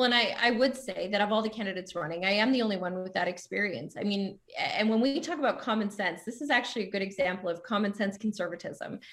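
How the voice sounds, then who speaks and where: A woman speaks at a very fast pace in a Canadian accent. Noticeable background noise runs behind her. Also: medium pitch for a woman, ordinary pitch variation, hardly any pauses. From Saskatchewan, Canada. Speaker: provincial politician. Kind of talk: interview.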